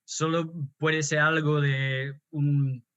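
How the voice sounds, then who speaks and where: An Australian man, speaking Spanish as a second language, talks with a slightly high voice and plenty of hesitations and restarts. The recording sounds dull and lo-fi, like a muffled call. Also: little pitch movement, extremely slow, a bit bright, clear, resonant tone. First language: English. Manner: hesitant, many restarts and fillers. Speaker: guest poet and translator. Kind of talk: conversational interview.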